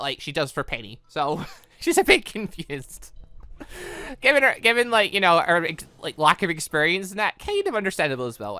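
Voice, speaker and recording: Animated woman doing casual let's-play commentary. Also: deep voice, no room sound. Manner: chatty, giggly, rambling asides. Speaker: gaming video host. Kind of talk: casual let's-play commentary, reading visual novel dialogue aloud.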